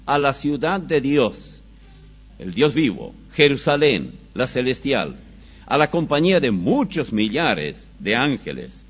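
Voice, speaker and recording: A man preaching a Bible study, reading scripture slowly and with emphasis, recorded on dull, lo-fi audio. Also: mid-range voice. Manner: slow, emphatic scripture reading with animated rises.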